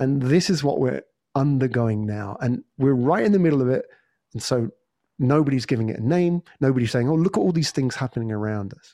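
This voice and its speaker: Speaking with an English accent, a man has a medium pitch, a dark, mellow tone, lively intonation and big swings in loudness. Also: fairly quick pace. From England, Portsmouth. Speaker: podcast agency founder and entrepreneur. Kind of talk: interview conversation.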